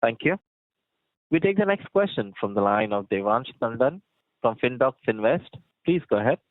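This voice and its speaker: Lively-pitched male operator on a phone line. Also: normal speed, dry recording. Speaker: conference call operator. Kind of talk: formal scripted call moderation. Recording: dry narrow phone line.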